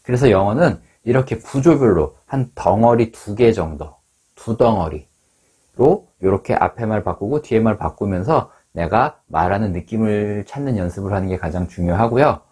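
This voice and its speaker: Husky low-voiced man teaching English. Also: animated, mellow. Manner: patient, repeats English phrases slowly for drilling. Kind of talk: online English lesson.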